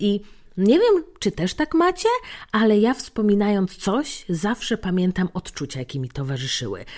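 Recorded very cleanly against a silent background, a woman at a medium pitch lets her voice swing very widely in pitch. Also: moderate pace. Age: 30s. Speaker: podcast host. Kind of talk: storytelling monologue.

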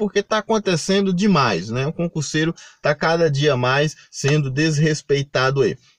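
Against a quiet background, a man speaks at a moderate pace with lively intonation in a dry sound with no echo. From Brazil, Bahia. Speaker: YouTuber on civil service exams. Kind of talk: casual vlog to camera. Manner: hesitant, many fillers. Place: car. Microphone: phone near.

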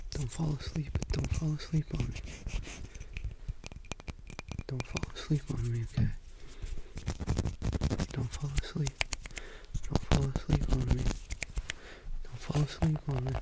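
Over loud background noise, a soft-spoken man whispers at a fairly slow pace with long, frequent pauses. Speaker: ASMR creator. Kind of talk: soft ASMR roleplay instructions. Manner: soft close-mic ASMR whisper. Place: home room. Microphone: studio mic.

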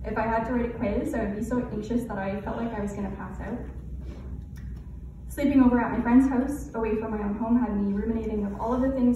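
Amid noticeable background noise and audible room echo, a woman talks very fast at a fairly high pitch in a monotone, flat intonation. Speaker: pediatric occupational therapist. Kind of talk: personal speech to an audience. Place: hall.

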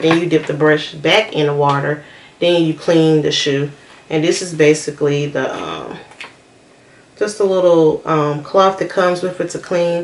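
Fairly even intonation at a fairly slow pace, with light background noise. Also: woman. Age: 20s. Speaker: YouTuber and sneaker collector; YouTuber. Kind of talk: casual vlog talk. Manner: hesitant with fillers. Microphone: phone near.

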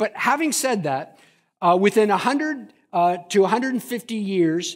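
The speaker has a Canadian accent. The background is quiet. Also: man. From Ontario, Canada. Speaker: pastor. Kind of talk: lecture. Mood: earnest appeal at close. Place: hall.

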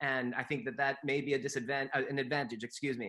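Very fast, a man speaks in a bright, sharp tone with monotone, flat intonation. The background is quiet. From Puerto Rico. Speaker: candidate, attorney and teacher; candidate, attorney, teacher. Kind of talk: formal candidate interview answers. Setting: video call. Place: home room. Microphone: video call.

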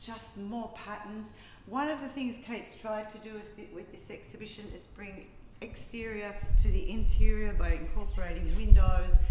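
A woman with an Australian accent speaks in a warm, enthusiastic tone at a fairly slow pace, with audible room echo and noticeable background noise. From Australia, Hawkesbury region near Sydney. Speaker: gallery curator. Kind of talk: informal walk-through gallery tour, chatting to camera painting by painting. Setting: walking through an art gallery, filmed video. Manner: warm, enthusiastic, gushing about favourite paintings; rambling and halting, with fillers and repeated words. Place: hall. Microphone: phone near.

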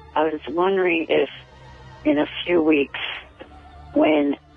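At a fairly slow pace, a man speaks in a fairly high pitch, the sound dry with no echo and faint music in the background. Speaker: radio show caller. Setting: phone. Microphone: phone line.

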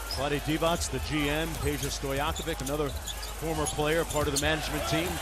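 Loud background noise surrounds a man speaking at a moderate pace in an animated, upbeat tone. The sound itself is dry, with no echo. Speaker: play-by-play commentator. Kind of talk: live sports commentary. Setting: arena broadcast. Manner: animated, upbeat, with excited calls on dunks and threes.

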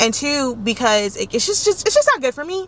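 The speech runs at a moderate pace. The sound is dry, with no echo. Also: woman. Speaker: vlogger. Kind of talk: casual vlog chat. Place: car.

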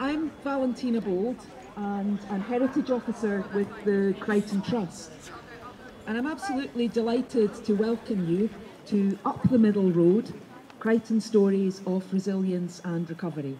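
The speaker talks at a moderate pace with ordinary pitch variation while crowd noise fills the background. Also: woman. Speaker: event host welcoming the audience. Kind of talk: public welcome speech. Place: garden. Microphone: podium.

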